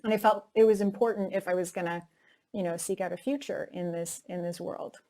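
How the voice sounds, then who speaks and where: A woman's voice: on the low side, fairly even intonation, brisk, mellow. A woman in an interview, telling her own story candidly and reflectively, often dropping in "like" and "you know". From North America. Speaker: actress interviewee.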